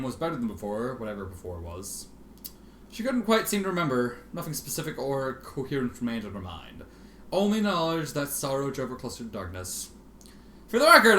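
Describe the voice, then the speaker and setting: Expressive man reading, roomy recording. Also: mid-range voice. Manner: expressive, sardonic. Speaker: amateur fan fiction reader. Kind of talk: dramatic story reading with casual asides. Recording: roomy, faintly noisy home recording.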